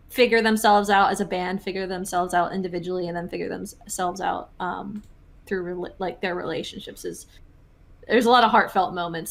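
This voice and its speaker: A woman co-hosting a podcast in casual chat, talking loosely with plenty of fillers and restarts. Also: medium pitch. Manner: chatty, heavy on fillers and restarts. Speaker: podcast co-host.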